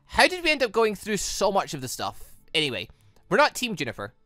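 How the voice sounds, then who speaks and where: Animated, bright-voiced gaming host. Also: medium pitch, fairly quick, no echo, soft background music. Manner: animated, breaks off into asides and stumbles while reading. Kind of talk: gaming let's play, reading visual novel dialogue aloud with commentary.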